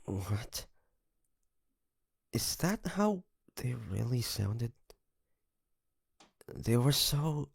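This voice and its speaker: A man playing a weary, protective demon hunter in a dramatic audio roleplay, with halting, emotional delivery. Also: medium pitch, creaky, darkish tone, husky, studio quality, heavily acted. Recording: roomy with long reverb.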